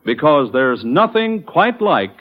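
Lively male 1940s radio ad announcer. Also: a little high, takes it slowly. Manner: polished, persuasive, emphatic. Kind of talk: 1940s radio ad read, smooth sales pitch. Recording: muffled old radio broadcast.

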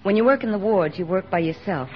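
An actress playing a steady, plain-spoken army nurse lieutenant who narrates and soothes wounded men in a 1940s radio drama. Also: female voice, mid-range voice, fast talker, lightly acted. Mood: somber. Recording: dull old radio broadcast with music.

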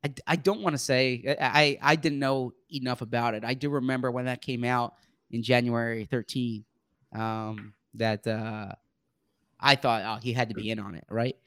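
A man's voice: mid-range voice, fairly even intonation, moderate pace, a bit bright, smooth, dry recording, clean studio sound. A man co-hosting a casual sports talk show who often stumbles and repeats words as he starts his thoughts. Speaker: sports podcast co-host.

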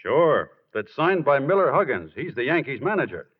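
Earnest young ballplayer, tinny radio sound. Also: male voice, medium pitch, sing-song, moderate pace, slightly rough. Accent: American. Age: young adult. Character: earnest, devoted young ballplayer son, boyish and halting. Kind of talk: 1940s radio acting. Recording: very muffled vintage radio recording.

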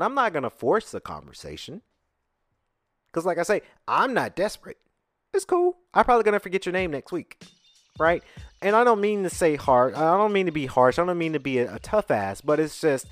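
A man in his twenties co-hosting a podcast, rambling casually, bluntly and with profanity, often asking "right?". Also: on the high side. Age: 20s. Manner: chatty, keeps asking "right?". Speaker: podcast co-host.

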